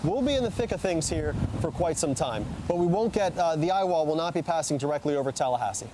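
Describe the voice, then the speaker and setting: A man's voice: fairly high pitch, expressive, fast. An American man reporting live from outdoors in a storm as a field reporter, projecting his voice over the wind. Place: outdoors in a storm, parking lot. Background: wind, rain.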